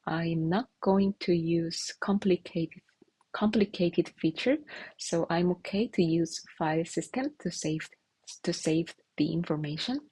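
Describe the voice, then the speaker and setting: Slow, husky-voiced woman, Korean native. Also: fairly low pitch, a little mellow, dry recording. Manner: hesitant, halting, restarts often. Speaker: software engineer. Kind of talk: casual devlog narration.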